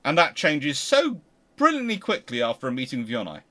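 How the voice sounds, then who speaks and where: Bright-voiced man hosting a history discussion. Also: fairly high pitch, huge pitch swings, brisk. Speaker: host of a history discussion show.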